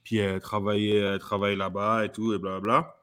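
A man's voice: fairly low pitch, level tone, fast, a bit bright, clear, resonant tone. A man, a comedian guest, talking casually with frequent fillers and restarts. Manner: hesitant, many fillers and restarts, laughs often. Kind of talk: casual conversation.

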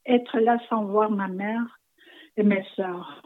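A woman in her fifties from Rwanda, answering interview questions softly and hesitantly, with many pauses. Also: mid-range voice, steady tone. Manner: soft-spoken, hesitant with frequent pauses. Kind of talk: personal interview. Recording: narrow phone-like audio.

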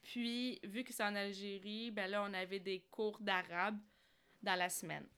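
A woman's voice: mid-range voice, steady tone, measured pace, a bit bright, clear, resonant tone. A woman from Algeria chatting casually as a podcast guest, telling personal stories. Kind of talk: casual conversational storytelling.

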